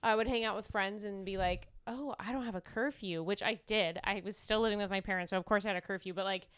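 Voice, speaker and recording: A woman in her twenties from the United States, chatting casually as a podcast co-host, full of fillers and quick laughs. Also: medium pitch, fairly bright tone, clean tone, dry recording, studio quality. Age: 20s. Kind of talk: casual chat.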